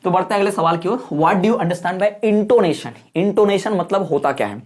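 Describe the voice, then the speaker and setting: A man's voice: high-pitched, moderate pace. Guy teaching an exam prep class, repeats stuff a lot, keeps asking if you got it. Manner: repetitive explaining with frequent rhetorical checks; folksy, addresses viewers as brother.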